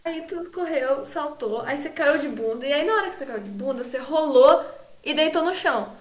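A young woman with a Brazilian Portuguese accent, co-hosting a podcast and telling a story in an animated way that acts out the voices of others. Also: high voice, a little fast, roomy sound. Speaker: podcast co-host. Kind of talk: casual storytelling chat.

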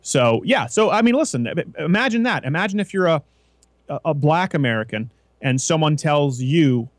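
A man's voice: a little high, lively intonation, moderate pace, no room sound, clean studio sound. A man hosting a talk show, explaining his views in long, rambling, opinionated stretches with frequent restarts. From Canada. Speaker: host. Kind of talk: casual radio talk show chat.

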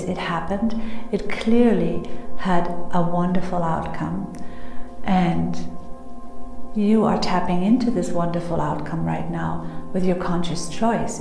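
Breathy, very slow woman, mystical healer. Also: lowish voice, dark tone. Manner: airy, breathy, often near-whispered mystical healer delivery; soothing, deliberate. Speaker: guided meditation leader. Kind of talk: guided meditation. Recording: echoey reverberant sound over music. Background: music.

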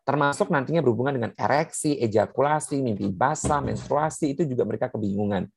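A woman's voice: extremely low pitch, fast, vocal fry, darkish tone, slight background noise. A woman gives a seminar talk, explaining points one by one many fillers. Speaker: speaker on puberty in children with special needs.

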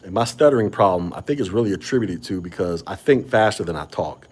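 A man hosts a casual podcast chat on a podcast microphone, his deep, husky, darkish voice moving quickly with lively intonation. He has a slight stutter and restarts often.

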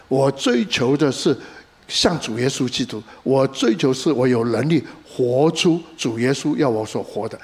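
Animated male pastor preaching. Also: mid-range voice. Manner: code-switches with English words, animated emphasis, storytelling asides. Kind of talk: sermon.

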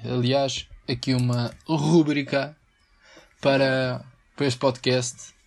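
A young man with a European Portuguese accent, hosting a casual solo podcast, rambling and slangy. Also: mid-range voice. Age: young adult. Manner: rambling and slangy, breaks into mock singing. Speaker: podcast host.

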